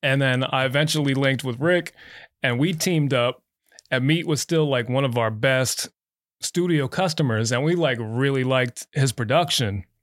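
A plain, everyday voice at a moderate pace, with ordinary pitch variation and very even loudness, recorded dry and close with no echo on a very clean recording with a silent background. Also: man, medium pitch for a man. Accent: American. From Allentown, Pennsylvania. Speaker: rapper and producer. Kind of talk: casual chat. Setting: home basement studio.

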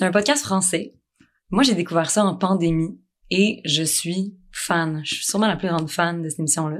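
With a Quebec accent, a woman speaks at a fairly low pitch and a moderate pace with ordinary pitch variation on a very clean recording with a silent background. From Quebec, Rive-Sud. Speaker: actress. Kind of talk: casual interview chat.

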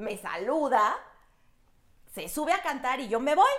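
The speaker uses a Mexican accent and keeps a moderate pace. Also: woman. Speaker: interior designer, singer's wife. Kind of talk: casual chat.

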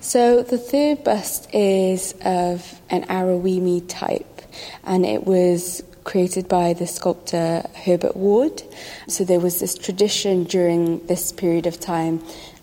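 A woman speaks very slowly at a medium pitch with ordinary pitch variation. Noticeable background noise can be heard. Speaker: artist and exhibition curator. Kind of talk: explanatory talk to visitors. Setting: museum gallery.

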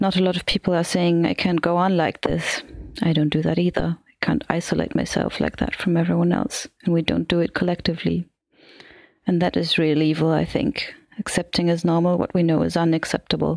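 A woman's fairly quick, fairly low-pitched delivery with fairly even intonation and very even loudness, in a dry, close sound with no echo. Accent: German. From Germany. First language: German. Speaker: listener caller. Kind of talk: recorded voice message.

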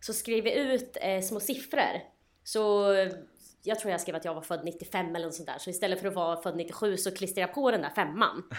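A woman at medium pitch and moderate pace, a plain, everyday voice with ordinary pitch variation. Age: 20s. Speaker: college football player. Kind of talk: casual chat.

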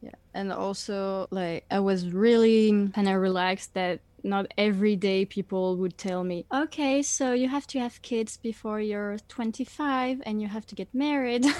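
With a French accent, a woman speaks at a medium pitch with ordinary pitch variation and hardly any pauses. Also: moderate pace. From France. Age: 20s. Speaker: language graduate and former exchange student. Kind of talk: casual interview chat.

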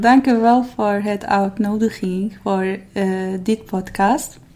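With an Arabic accent, a woman speaks at a very slow pace. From Syria. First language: Arabic (speaking Dutch). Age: 20s. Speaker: refugee. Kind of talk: interview. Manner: halting.

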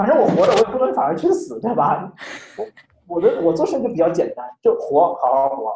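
A man talks at a fairly quick pace. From Northeast China (Daqing). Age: 30s. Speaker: online English teacher and content creator. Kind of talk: casual interview conversation.

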